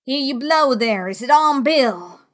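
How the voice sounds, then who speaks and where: Lady doing a angry old blind pirate boss guy, barking orders, slow and raised up, storybook style. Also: sits high, lively intonation, fairly bright tone, voice pushed up. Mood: impatient rage. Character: furious, domineering blind old pirate man. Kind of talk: dramatic audiobook character voice.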